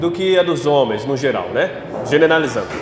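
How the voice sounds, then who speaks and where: A man is speaking. Audible room echo and noticeable background noise fill the recording. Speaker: physics teacher. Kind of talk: classroom lecture. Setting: classroom with students. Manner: informal, conversational.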